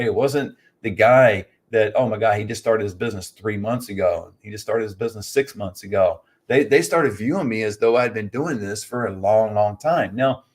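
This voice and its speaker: A man coaching in an informal motivational business talk, conversational, repeating key points for emphasis and often checking in with short tag questions. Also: on the low side. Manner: conversational, emphatic repetition, frequent "right?" tags.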